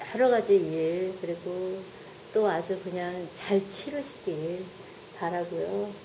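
Noticeable background noise surrounds a woman's voice. She speaks at a very slow pace with ordinary pitch variation. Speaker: reporter interviewing a guest. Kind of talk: interview. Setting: guest's office. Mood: polite, warm. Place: office.

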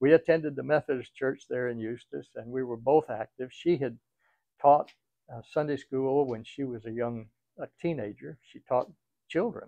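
At a moderate pace, a man with a Southern US accent and a medium pitch shows ordinary pitch variation and big swings in loudness. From US South. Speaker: pastor. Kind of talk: testimony.

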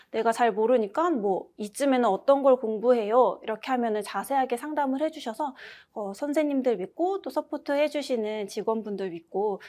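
Her voice sits high and her intonation is lively. The woman talks at a moderate pace on a very clean recording with a silent background. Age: 30s. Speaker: exam passer giving testimonial. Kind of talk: testimony.

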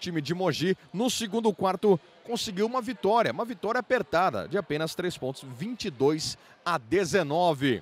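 A man's high, lively voice at a fairly slow pace, with a dry, close sound and no echo. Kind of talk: basketball highlights commentary, voiced-over recap. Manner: animated, energetic, excited play-by-play delivery.

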